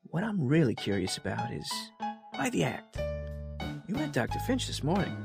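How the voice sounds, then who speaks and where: An actor playing an energetic, cocky male detective who banters playfully and quotes Shakespeare, in an audio drama. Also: fairly high pitch, creaky, over music, full character voice. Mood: probing. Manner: quick, lively, playful banter. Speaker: police detective. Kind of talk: full-cast audio drama.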